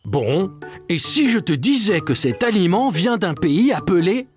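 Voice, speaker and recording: Brief: warm-hearted cartoon grandpa who teases with guessing games, lively pitch, faint music. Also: male voice, a little slow. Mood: playful. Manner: gentle, teasing, patient. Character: kind, playful grandfather. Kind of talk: cartoon dubbing.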